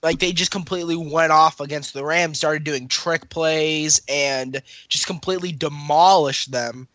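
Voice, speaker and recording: A man's voice: a little high, steady tone, measured pace, fairly bright tone, dry recording. A young man co-hosting a casual podcast, telling stories and teasing his co-host in a chatty way. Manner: chatty, storytelling, playful teasing. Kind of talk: casual chat.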